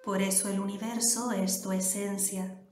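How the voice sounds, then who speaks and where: A woman with a Canary Islands Spanish accent guiding a meditation, giving soft, calm instructions with long pauses. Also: medium pitch. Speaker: meditation guide. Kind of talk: guided meditation. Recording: roomy echo with soft music behind. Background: soft background music.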